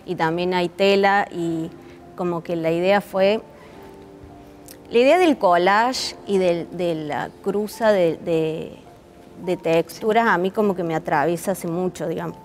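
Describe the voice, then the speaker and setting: A woman's voice: fairly low pitch, unhurried, darkish tone, soft background music. A woman with a Córdoba Argentine accent answering interview questions conversationally, thoughtfully searching for words and rephrasing as she goes. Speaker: interviewed puppet theatre artist.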